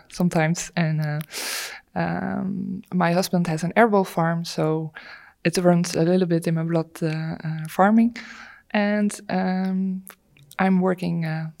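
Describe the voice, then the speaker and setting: A woman with a Dutch accent talks informally as an ambassador on a panel. Her voice is a touch lower than average. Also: gravelly, a little mellow. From Netherlands. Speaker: project ambassador.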